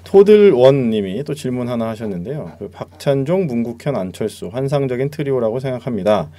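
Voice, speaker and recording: A man's voice: medium pitch, expressive, brisk, dark tone. A polite man moderating a live talk show and reading out viewer questions. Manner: polite, frequent short acknowledgements.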